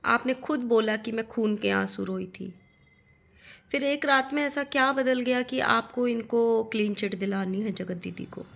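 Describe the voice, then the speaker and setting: Indignant woman with a bright, gravelly voice. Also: on the high side, unhurried. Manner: indignant, rhetorical questions, repeats phrases for emphasis. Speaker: vlogger. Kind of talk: ranting vlog addressed to another creator.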